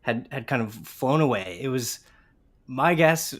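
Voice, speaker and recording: Male guest, medium pitch, relaxed conversational storyteller on a chat show. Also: a little slow. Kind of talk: casual anecdotal storytelling.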